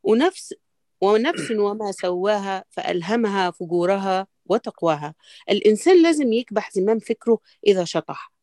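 A woman's voice: mid-range voice, lively intonation, fairly quick, darkish tone, dry recording, clean studio sound, natural voice. A woman with an Egyptian Arabic accent, acting a conservative woman troubled by free thinking in a play rehearsal. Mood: lecturing.

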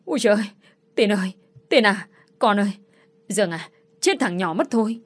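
A man's voice: sits high, animated, normal speed. A man voicing a wailing old grandmother. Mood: grieving. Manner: wailing, lamenting.

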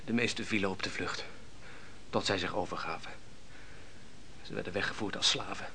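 An actor playing an exhausted young shepherd turned soldier in a Dutch radio play, deferential, halting and reflective. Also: male voice, low voice, steady tone, bright, forceful tone, a little hiss or hum. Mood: haunted, sombre. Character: weary young male shepherd turned soldier, honest, haunted.

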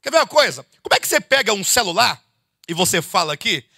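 A Brazilian bishop leads a Bible study for his congregation in a church meeting hall, giving an animated, conversational sermon full of rhetorical questions and calling his listeners "queridos," or "dear ones." His high-pitched voice is fast, creaky and breathy. The recording is dry, with a clean studio sound.

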